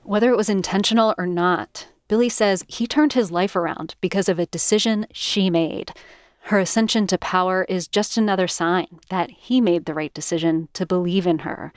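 Female radio reporter, lower pitch, dry booth narration. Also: normal speed, no echo. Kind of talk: scripted news narration.

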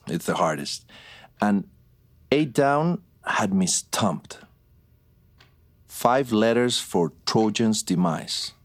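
Actor as steady middle-aged detective, very low voice, measured and soothing. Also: male voice, exaggerated voice. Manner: calm, measured, reassuring. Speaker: police detective.

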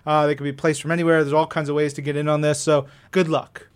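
A man's voice: on the high side, little pitch movement, fast talker, clean tone. Upbeat man co-hosting a podcast. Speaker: podcast co-host. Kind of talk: casual chat reading show news.

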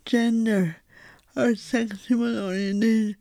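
An Irish woman speaking as a guest playwright in a reflective conversation, thoughtful and halting, often repeating words as she finds them. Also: on the high side, fairly even intonation, gravelly, mellow, no echo.

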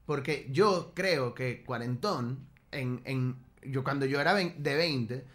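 A man in his late thirties with a Venezuelan accent, talking casually with friends in slangy, halting phrases that often repeat words. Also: mid-range voice, a loud crowd. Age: late 30s. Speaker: podcast participant. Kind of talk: casual chat among friends.

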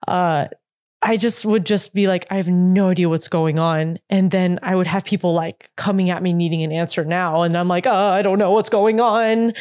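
A woman in her late twenties speaks casually in a slightly low voice, recorded close and dry. She wanders through her answers with many fillers and restarts. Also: fairly even intonation, darkish tone, no echo. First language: English. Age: 20s. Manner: halting, full of "like" and restarts. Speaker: interview guest, former K-pop idol. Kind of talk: casual interview talk.

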